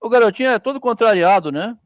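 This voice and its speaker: A man's voice: high voice, lively intonation, fast, no echo, studio quality. A Brazilian man reading a story aloud and explaining it as a literature lecture, breaking in with "né?" and acting out the characters' lines. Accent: Brazilian Portuguese. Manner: reads passages and breaks off to explain, frequent "né?".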